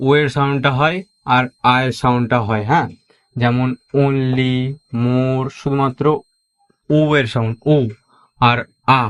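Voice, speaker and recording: A man's voice: mid-range voice, fairly bright tone. A man with a Bengali accent teaching a spoken English lesson, spelling out letters and repeating each example word. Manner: explains slowly, spells out letters one by one and repeats words.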